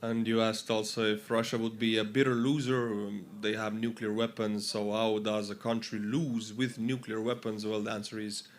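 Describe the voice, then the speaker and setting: A man's voice: on the low side, flat delivery, normal speed, few pauses. A man talking in an informal, explanatory way in a panel discussion. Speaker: interviewer.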